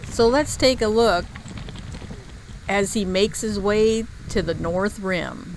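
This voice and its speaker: A woman narrating her outdoor travel vlog in a measured, informative scripted voice-over. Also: medium pitch, background noise. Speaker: travel vlogger.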